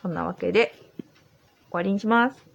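A woman's voice: mid-range voice, moderate pace, vocal fry, muffled recording. A tipsy woman with a Kansai accent hosts a solo podcast, chatting in an easygoing, rambling way from an old house. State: tipsy from drinking. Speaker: podcast host. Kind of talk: casual solo podcast chat.

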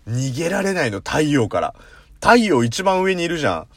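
A man hosting a casual solo talk show, telling a story in rough slang with playful self-mockery and sudden acted-out voices. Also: on the high side, moderate pace, dry recording, clean studio sound. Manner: animated, jumps into acted-out voices. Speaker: podcast host.

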